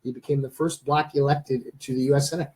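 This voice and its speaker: A man's voice: mid-range voice, steady tone, quick pace, darkish tone. A man in his thirties hosting a casual live stream, reading out news items with lots of ums and uhs. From Canada. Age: 30s. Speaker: livestream host.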